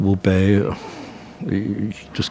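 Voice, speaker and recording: Here a man speaks at a fairly low pitch. Background noise is noticeable. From Austria, western Carinthia. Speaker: author. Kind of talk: interview. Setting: coffee house.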